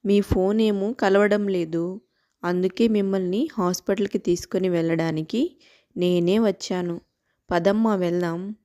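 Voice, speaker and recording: A woman's voice: mid-range voice, steady tone, measured pace, warm tone, lightly acted. Woman playing a polite male family friend. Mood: urgent.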